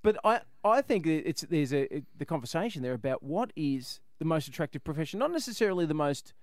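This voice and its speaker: A man's voice: fairly high pitch, big pitch swings, fast talker, no echo, studio quality. An Australian man hosting a radio show with casual, irreverent comedy banter and a jokey, rambling way of talking.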